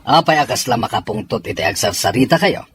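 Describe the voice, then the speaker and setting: A man's voice: medium pitch, lively intonation, fast talker, husky, soft background music. A man playing a stern, suspicious soldier in a serial drama, with a firm, questioning manner. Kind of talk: Ilocano serial drama acting.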